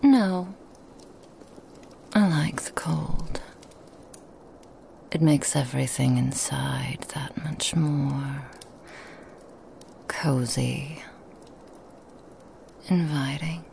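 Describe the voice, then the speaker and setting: A woman's voice: low voice, extremely slow, vocal fry, pauses often, slight background noise, exaggerated voice. A woman playing a sly Christmas demoness. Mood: teasing whisper. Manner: soft whispering, teasing and insinuating. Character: seductive female Christmas demon, sly and menacing. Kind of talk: ASMR roleplay.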